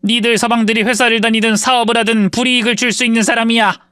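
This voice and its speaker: A man's voice: very high-pitched, little pitch movement, fast talker, pushed and bright, clear, resonant tone, no room sound, clean studio sound, voice pushed up. A man voicing an older woman who threatens and commands a room of guests. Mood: menacing. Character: imperious older woman, protective mother-in-law.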